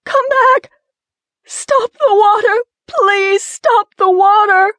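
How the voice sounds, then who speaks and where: A woman's voice: slow pace, fairly bright tone, no room sound, exaggerated voice. Shrieking, sobbing injured woman. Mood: terrified pleading. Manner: shrill, pleading shrieks. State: crying, panicked. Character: injured woman screaming in terror, begging.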